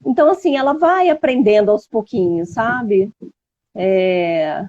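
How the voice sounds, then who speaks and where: Animated woman on a muffled video call. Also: medium pitch, measured pace, no room sound. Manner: animated, acts out talks with her daughter. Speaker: guest. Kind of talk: casual live-stream chat.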